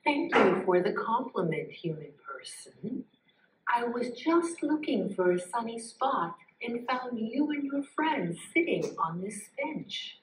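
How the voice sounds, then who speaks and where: A calm, inquisitive green snake, voiced by a woman, speaks slowly and thoughtfully in a live puppet show. The voice is a little high and sings up and down. It sounds roomy, as if picked up from across a stage. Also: distant mic. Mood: musing. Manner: slow, thoughtful, politely questioning.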